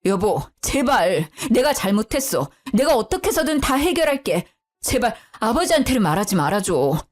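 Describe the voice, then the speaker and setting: Woman doing a weak, begging husband for a storybook: pleading, lively pitch. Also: normal speed. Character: pleading guilty husband, weak-willed young man.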